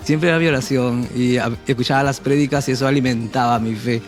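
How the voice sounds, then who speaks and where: A man's voice: medium pitch, fairly even intonation, fast talker, soft background music. A man from Peru giving an earnest, emotional personal testimony on a Christian talk show and acting out his own prayers. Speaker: guest sharing testimony.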